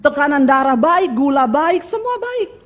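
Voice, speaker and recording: A middle-aged woman pastor from Indonesia, preaching a lively sermon and calling out to her congregation. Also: high-pitched, a little slow.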